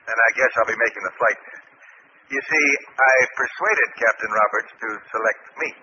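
An actor playing a determined, respectful young rocket engineer pleading with earnestness in 1950s radio drama style. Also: male voice, medium pitch, normal speed, natural voice. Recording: noisy, dull 1950s radio recording.

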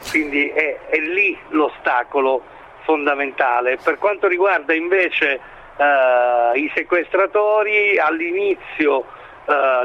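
Higher-voiced man, halting analytical interviewee. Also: muffled recording, slight background noise. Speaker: expert commentator being interviewed. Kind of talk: interview analysis of current affairs.

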